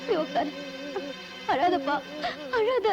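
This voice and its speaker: Crying mom, super high voice, dull old film sound with music. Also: female voice, animated, slow, full character voice. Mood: tearful. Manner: pleading, sorrowful. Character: poor tearful mother sending her young son away.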